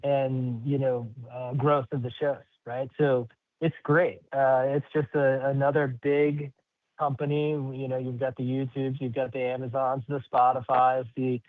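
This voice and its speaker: A man speaking as a company executive answering questions on an earnings call, halting, rambling and upbeat. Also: medium pitch, level tone, dry recording. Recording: slightly muffled, dry call audio.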